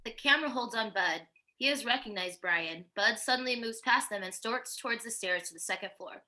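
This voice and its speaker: Bright-voiced woman narrating stage directions. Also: a little high, brisk, rough recording. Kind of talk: scripted narration at a virtual table read.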